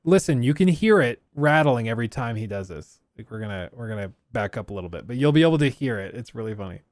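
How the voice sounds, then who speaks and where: A man's voice: medium pitch, animated, fast talker, a little mellow, no echo. Chatty man reacting live on stream. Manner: chatty, enthusiastic, loose with fillers. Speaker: streamer reacting to a game showcase. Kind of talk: casual live reaction commentary.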